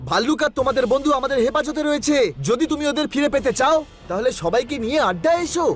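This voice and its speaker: Earnest, worried cartoon sidekick, extremely high pitch, rushed delivery. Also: male voice. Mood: urgent. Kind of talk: Bengali cartoon dub. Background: faint cartoon music.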